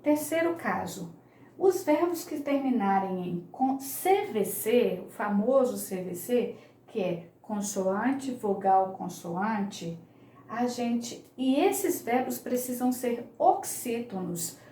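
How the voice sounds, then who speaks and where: Woman, teacher, explanatory lesson, repeats points, unhurried, roomy echo. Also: fairly high pitch, lively intonation, mellow, a little hiss or hum. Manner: slow, patient, repeats key points. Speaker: English teacher.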